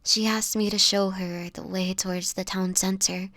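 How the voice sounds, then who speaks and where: A woman playing a sickly, homeless vampire in an intimate audio roleplay, speaking in a breathy, whispery voice with halting, hesitant delivery. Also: medium pitch, level tone, a bit bright, no echo, lightly acted. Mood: somber recounting. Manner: halting, hesitant storytelling with pauses.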